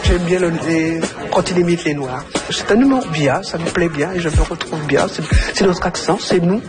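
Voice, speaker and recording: High-voiced man, cheerful vox pop. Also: moderate pace, over music. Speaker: audience member in a street interview.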